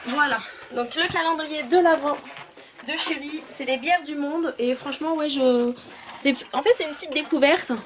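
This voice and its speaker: A woman talking casually through a haul vlog at home, chatty and halting with many fillers. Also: high-pitched, roomy sound, slight background noise. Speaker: vlogger. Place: home kitchen and garage.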